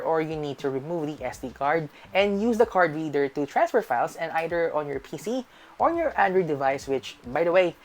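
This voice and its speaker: A woman with a Filipino accent narrating a scripted tech review. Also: deep voice.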